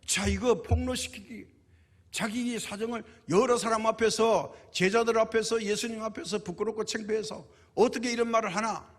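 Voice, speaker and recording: Husky-voiced preacher in an echoing church. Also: male voice, sits high, fairly even intonation, moderate pace. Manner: emphatic, asks rhetorical questions and answers them. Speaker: pastor. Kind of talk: sermon. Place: church sanctuary. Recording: reverberant church hall.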